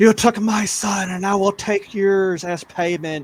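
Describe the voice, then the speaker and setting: A man puts on a high-pitched character voice, speaking at a fairly slow pace. He cackles as part of the act. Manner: cackling, menacing.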